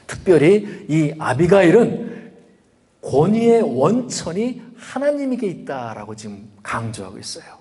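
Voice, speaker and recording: A man's voice: fairly high pitch, a little mellow. A middle-aged man preaching a sermon as pastor, talking conversationally and asking his listeners rhetorical questions. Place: church sanctuary. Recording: long reverb of a church hall.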